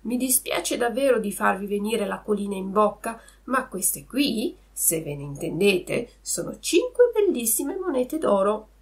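A woman's voice: mid-range voice, very animated, measured pace, gravelly, few pauses. A woman voicing a naive, boastful wooden puppet boy in a storybook reading, with a raised, eager voice.

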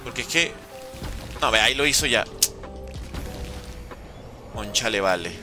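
A man's voice: on the low side, lively intonation, unhurried, over music. A young man streaming a zombie game live, playfully joking, teasing his chat and swearing as he plays. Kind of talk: live gaming commentary, reading chat.

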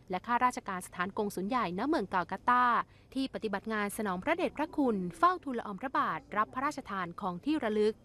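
A woman news reporter reading a scripted royal news report in a formal, measured way. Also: a little high, sharp tone.

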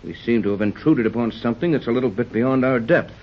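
An actor playing a level-headed male sea captain who takes charge in a calm, reassuring way, in a 1930s radio drama. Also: mid-range voice, quick pace, close to an everyday voice. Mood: steady. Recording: dull old 1930s radio recording.

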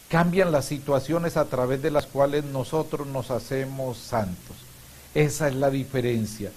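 A man in his fifties, a Catholic priest, preaching and praying at Mass in a solemn, measured way with deliberate pauses. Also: on the high side. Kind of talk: homily and prayers at Mass. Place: small indoor chapel room. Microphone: lapel mic. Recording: clear background hiss.

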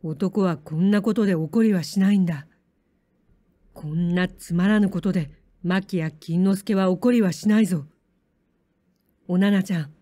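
Storybook samurai boy, earnest, proud, low and restrained delivery, as a woman reader plays him. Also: a little slow, pauses often, warm tone, no room sound, close to an everyday voice. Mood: firm.

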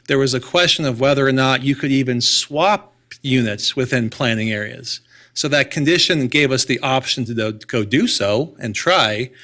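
A man's voice: medium pitch, a bit bright. Man explaining details at a public hearing. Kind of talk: explanatory public meeting testimony. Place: public meeting room.

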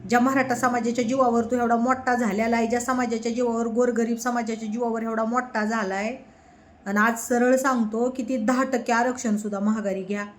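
A woman's voice: on the high side, flat delivery, fairly quick. A woman delivering a heated, mocking political rant, scolding her target. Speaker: political commentator.

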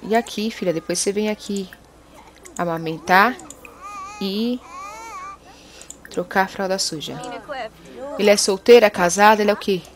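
A woman hosting a gaming video, chatty and excitable as she exclaims to her viewers. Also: mid-range voice, moderate pace, long pauses. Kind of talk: casual let's-play commentary.

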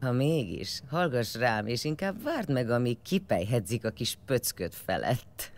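An actress playing a middle-aged, foul-mouthed tribal warrior leader in an audio drama, blunt, scornful and commanding. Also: female voice, very deep voice, very animated, full character voice. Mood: angry, scornful.

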